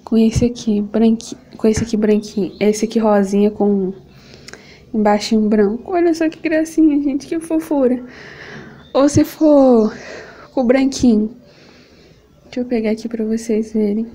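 Brazilian woman vlogger, young, high and mellow voice, gushing, self-filmed at home. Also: fairly even intonation, normal speed, pauses often. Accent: Brazilian Portuguese. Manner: gushing and affectionate, keeps calling out to viewers. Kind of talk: casual unboxing vlog. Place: at home, at a table. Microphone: camera set up on the table.

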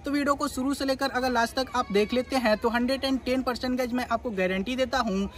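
A man's voice: very high voice, quick pace. A man opening his photo editing tutorial with an eager, salesy intro that makes big promises to his viewers. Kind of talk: hyped video intro.

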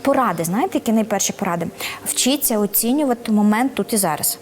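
Woman giving lively advice. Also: mid-range voice, fast. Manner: lively advice-giving with frequent "да?" check-ins. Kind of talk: casual advice interview.

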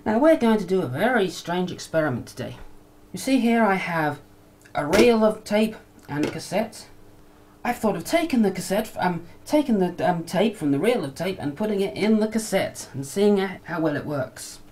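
A woman giving a casual hands-on demonstration with a hesitant, halting delivery, picked up on a camcorder microphone. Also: mid-range voice, animated, darkish tone. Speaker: hobbyist video maker, demonstrator. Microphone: camcorder microphone near the bench. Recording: noisy amateur camcorder sound.

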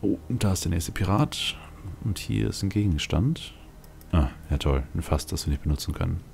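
A man's voice: deep voice, lively intonation, normal speed, gravelly, a little mellow, slight background noise. A man hosting a let's play with casual game commentary, thinking aloud with wry, dry asides. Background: game music.

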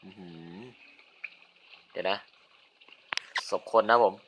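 A man giving casual let's-play commentary, chatty and given to sudden yelps and shouts. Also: slow. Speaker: gaming video host.

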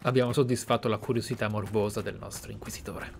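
A man's voice: fairly low pitch, fairly even intonation, fast, creaky. Italian man musing over noisy game ambience. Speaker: gameplay streamer. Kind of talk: reading game texts aloud and roleplay commentary.

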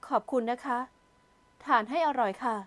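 A woman voicing a hurt, stubborn young woman in an audio novel who stays polite but turns sharp and sulky. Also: a little high, steady tone, moderate pace, lightly acted.

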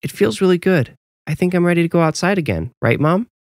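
Man voicing an eager, high-pitched little boy. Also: expressive, quick pace, no room sound, studio quality. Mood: eager, pleading.

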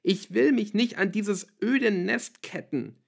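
A man voicing a desperate teenage girl who shouts through tears, in an audiobook reading. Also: high-pitched, slow, creaky, pitched above the performer's own voice, full character voice. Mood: bitter outburst.

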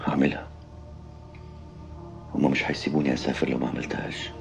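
Brooding Egyptian husband, forties, bottom-register murmur, heavy fry, worried screen-drama delivery. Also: male voice, flat delivery. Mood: worried, subdued. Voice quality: low, gravelly, breathy at times. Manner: murmured, halting. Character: brooding, worried man confiding in his wife. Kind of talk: naturalistic screen drama acting. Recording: faint music behind.

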